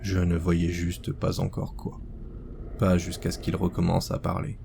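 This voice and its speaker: Deep gravelly man narrating horror. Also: completely flat delivery, a little slow, noisy background.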